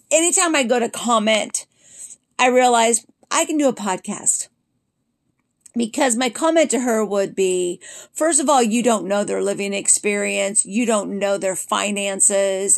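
Middle-aged woman, solo podcast host, blunt and exasperated, slightly high pitch. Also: creaky. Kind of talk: casual solo podcast monologue.

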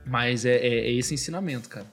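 A man's voice: mid-range voice, faint music behind. A young man with a Brazilian accent, telling a personal faith story in casual chat and peppering his talk with "cara". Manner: fast, fills speech with "cara". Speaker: guest. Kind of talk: casual testimony.

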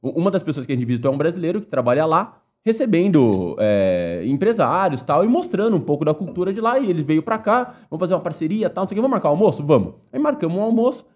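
Husky, lively man telling stories. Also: fairly high pitch, racing, hardly any pauses. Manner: breaks into long laughing fits while telling stories. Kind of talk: casual storytelling chat.

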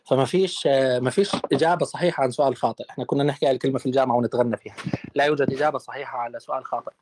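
A man's voice: mid-range voice, slight background noise. A man hosting a casual online debate, firing off rhetorical questions. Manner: animated, rapid-fire rhetorical questions.

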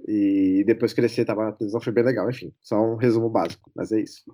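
A man's voice: on the low side, fairly even intonation, fast talker, dark tone. Brief: thirties São man, guest, chatty, easy laughs, loose fillers. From São Paulo, Brazil. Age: 30s. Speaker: podcast guest. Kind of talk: casual chat.

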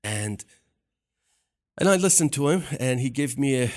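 A man's voice: medium pitch, animated. A man with a non-native accent, telling a personal story in casual chat, with frequent restarts. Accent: non-native English. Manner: halting, with many restarts.

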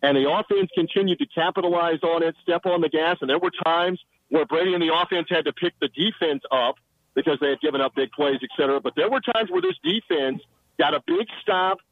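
A man reporting from the sideline as a radio show guest, rattling off confident football analysis. His voice sits a little high and sounds close and dry. He is calling in from under shelter outside a stadium. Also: dry recording, narrow, tinny audio. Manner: confident, rapid-fire football breakdown. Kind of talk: radio sports analysis by phone.

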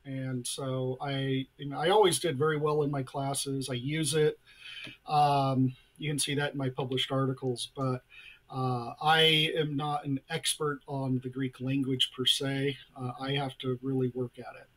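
A man being interviewed as a scholar, answering in a measured, thoughtful way with frequent hesitations. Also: medium pitch, little pitch movement, a bit bright, poor audio. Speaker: guest scholar.

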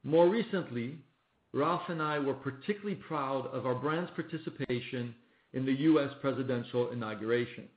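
A man, a company executive, reading a scripted corporate presentation on an earnings call in formal, measured phrasing. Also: on the high side. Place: conference call line. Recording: muffled phone-like line, roomy echo.

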